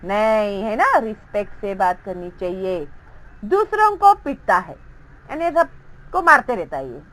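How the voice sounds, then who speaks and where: A woman's voice: medium pitch, big pitch swings, measured pace, a bit bright, rough recording. A woman teacher explaining a Hindi textbook story, reading its lines aloud and acting out the children's voices.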